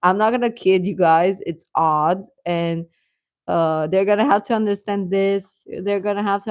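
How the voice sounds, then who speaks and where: In a Romanian accent, a woman speaks at a moderate pace and medium pitch with ordinary pitch variation, on a very clean, dry, close recording with a silent background and no echo. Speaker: YouTuber, K-pop fan channel host. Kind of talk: live stream chat. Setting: home live stream. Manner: halting.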